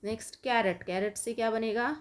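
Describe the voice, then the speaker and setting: A woman's voice: a little high, fairly even intonation, a little fast. A woman teacher with an Indian English accent giving an online lesson to young children, dictating word by word and explaining patiently.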